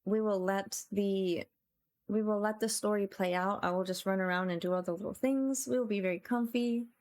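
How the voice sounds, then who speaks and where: A woman hosting a livestream, chatting casually to her viewers in a gentle, appreciative way. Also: mid-range voice, fairly even intonation, moderate pace. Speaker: livestreamer host.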